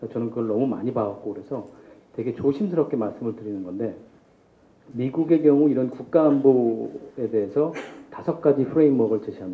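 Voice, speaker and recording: Pitched in the middle range, this man's voice shows ordinary pitch variation. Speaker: epidemiologist, former disease control investigator; panel discussant. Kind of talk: panel discussion. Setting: stage with audience. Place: hall. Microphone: handheld.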